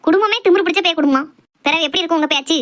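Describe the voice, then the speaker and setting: A woman voicing a sharp-tongued, outspoken village wife and mother in a cartoon family drama, scolding and argumentative with a Tirunelveli Tamil accent. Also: extremely high pitch. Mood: indignant, combative. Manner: scolding, argumentative, rapid complaints.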